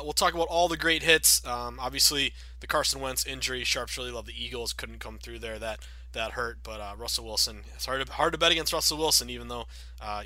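A man in his thirties hosting a sports betting podcast, chatty and upbeat with many fillers, sounding a bit raspy from a cold. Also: medium pitch, sharp tone, dry recording. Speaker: podcast host.

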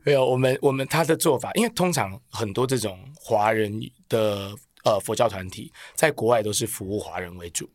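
A man's voice: lowish voice, a little fast, few pauses, dry recording, studio quality. A man with a Taiwanese accent speaking as a podcast guest, telling stories casually in a colloquial, self-deprecating way. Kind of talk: casual conversational storytelling.

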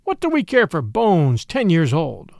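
A man voicing a snarling pack of hostile wolves, yelling together. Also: a little high, wildly swooping pitch, a little slow, vocal fry, no echo, exaggerated voice. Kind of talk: storybook reading.

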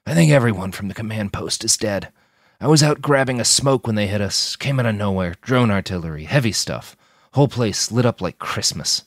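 A badly wounded army major, voiced by a man, slurring through pain with a wry edge. The voice sits low but swings widely, close and dry with no room sound. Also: animated, a little fast, no room sound.

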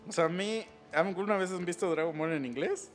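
A man's voice: sits high, fairly quick, faint music behind. A man with a Mexican accent hosting a casual, slangy chat, talking animatedly and laughing often.

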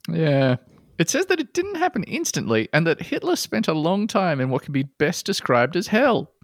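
Male podcast co-host, deadpan jokes, gravelly edge, dry close mic. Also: a little high, normal speed, no echo. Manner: jokey, deadpan asides, frequent laughs. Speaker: podcast co-host reading listener posts. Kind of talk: casual comedic podcast chat.

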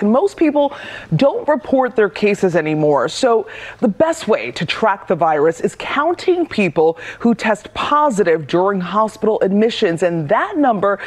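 A woman reporting a TV news segment in a brisk, explanatory way. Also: mid-range voice. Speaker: news correspondent.

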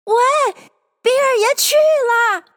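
A woman doing a shrill animal crowd. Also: a little slow. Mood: clamoring. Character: excited crowd of little animals. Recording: long hall reverb.

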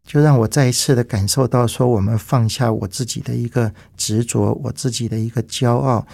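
A man's voice: mid-range voice, fairly even intonation, brisk, creaky, a little mellow, no room sound. A middle-aged man with a Taiwanese Mandarin accent, telling his personal faith testimony in an earnest, reflective way. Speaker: testimony speaker.

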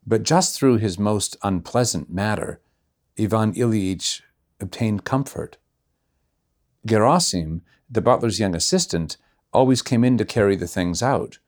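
A man reading a classic novella aloud in measured, unhurried narration. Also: fairly low pitch, a little mellow. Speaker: reader. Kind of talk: audiobook narration.

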